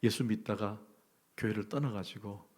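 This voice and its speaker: A male pastor delivers a lively sermon to his congregation, his voice falling to breathy whispers and then climbing to loud, forceful peaks. He asks them questions and mimics the complaints of grumbling believers. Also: lowish voice, moderate pace. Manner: swings from hushed whispers to loud shouted emphasis; acts out grumbling voices of churchgoers.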